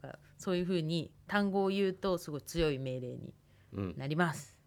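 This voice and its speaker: A woman's voice: fairly low pitch, normal speed, darkish tone. Woman in her twenties, radio language teacher, thinks aloud while explaining. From Hokkaido, Japan. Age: 20s. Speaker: language instructor.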